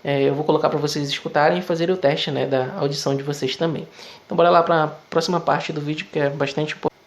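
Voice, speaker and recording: A man's voice: on the high side, fairly even intonation, fast. A man teaching physics in a video lesson, explaining step by step in a conversational way with frequent tag questions.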